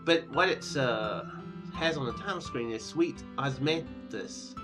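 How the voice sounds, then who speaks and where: This Let's Play host speaks casually with music behind him, alternating between talk and reading the game's story text aloud. His medium-pitched voice is animated yet a little slow, and he tends to ramble, hesitate and self-correct.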